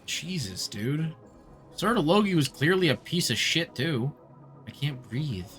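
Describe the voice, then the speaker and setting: A streamer giving casual live gameplay commentary in an informal, expressive way, with plenty of swearing. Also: mid-range voice, a little slow. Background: game music.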